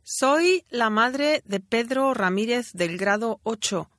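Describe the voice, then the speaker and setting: A woman playing a mother who leaves a voicemail for her son's school, speaking slowly, clearly and deliberately in a scripted exam listening dialogue. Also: fairly high pitch, lively intonation, noisy background.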